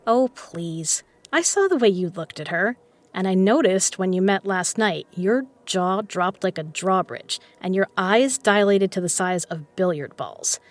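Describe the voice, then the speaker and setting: A woman's voice: medium pitch, lively intonation, unhurried, lightly acted. Confident, frank woman played by an actress in an audio drama. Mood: teasing, frank. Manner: teasing, frank, coaxing. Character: confident, teasing, caring woman poker player, the man's cousin.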